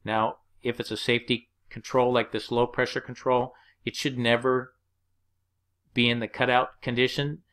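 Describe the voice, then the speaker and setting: A man's voice: medium pitch, little pitch movement, moderate pace, fairly bright tone. A man teaching an HVAC course over slides, walking through the numbers one step at a time. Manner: plain, explanatory, walks through numbers step by step. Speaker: HVAC instructor.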